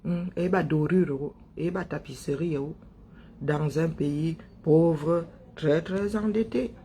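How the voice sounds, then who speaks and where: A man from Cameroon, an online political commentator, takes his time with an impassioned political monologue in a fairly high, mellow voice, with a little hiss or hum in the recording. He leans on emphasis, asks rhetorical questions, and repeats phrases for effect.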